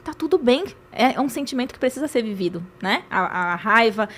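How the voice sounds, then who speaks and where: A woman, a podcast guest and mother, talking in a lively way about parenting her child. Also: a little high, a little fast, a little hiss or hum. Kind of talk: casual podcast conversation.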